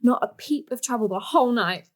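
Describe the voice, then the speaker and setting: An actress playing a proud, caring young granddaughter with a matter-of-fact manner. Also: female voice, on the high side, expressive, fairly quick.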